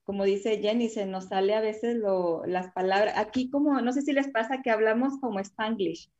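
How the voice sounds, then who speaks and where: A woman's voice: medium pitch, fairly even intonation, normal speed, a little mellow, lo-fi sound. A woman hosting a casual panel chat, chatty and full of fillers and exclamations. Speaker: host.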